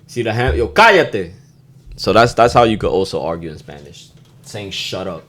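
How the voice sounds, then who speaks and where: Slangy podcast host, lowish voice. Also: male voice, lively intonation, a little fast. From Dominican heritage. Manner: loose, slangy, swears, drops into Spanish phrases. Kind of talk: casual Spanish lesson on a podcast.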